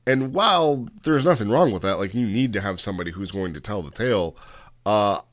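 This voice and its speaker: A man giving a casual, off-the-cuff review as host, rambling and halting as he talks, often checking in with the listener. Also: fairly low pitch, lively intonation. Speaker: host reviewing roleplay logs.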